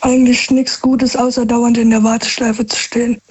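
A woman's voice: on the high side, level tone, normal speed, a little mellow, breathy edge. A woman calling in to a radio show, answering hesitantly and mostly agreeing in short replies. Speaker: caller. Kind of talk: phone-in conversation. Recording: dull phone-line sound.

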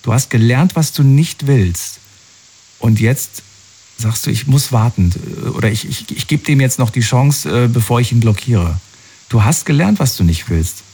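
Man, radio call-in host, husky voice, empathetic and coaxing, questions rising high. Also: expressive, normal speed, warm tone. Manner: empathetic, coaxing, pitch swings upward on questions. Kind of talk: call-in radio advice talk.

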